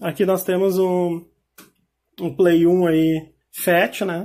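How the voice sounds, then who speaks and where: This man has a high-pitched voice with a dark, mellow tone. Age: 30s. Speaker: game collector, YouTuber; YouTuber. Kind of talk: casual video tour of collection. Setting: game room at home. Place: home room. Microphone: phone near.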